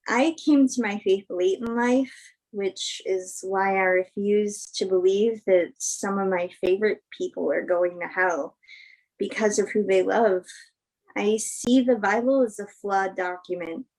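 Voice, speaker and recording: A woman acting as a sincere film star in a play reading. Her voice sits at a medium pitch. She phrases things carefully and earnestly, in a natural conversational style. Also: darkish tone, low-quality recording. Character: Emma, sincere film actress woman, thoughtful, open-minded believer. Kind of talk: virtual staged play reading, naturalistic dialogue.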